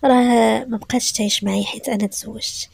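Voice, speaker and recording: A brooding, jealous young man, as a woman narrator puts him on, quick to suspicion. His voice is fast and gravelly with a dark, mellow tone and a Moroccan accent. Told as a spoken story. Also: a little high, steady tone, no echo. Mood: grieving. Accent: Moroccan Arabic.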